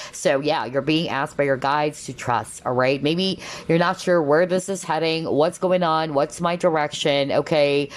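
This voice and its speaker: A woman's voice: sits low, slight background noise. A woman giving a tarot reading in a chatty, reassuring way, saying she is losing her voice. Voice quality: strained, tiring voice. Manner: chatty, reassuring, full of fillers and "okay?" check-ins. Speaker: tarot reader.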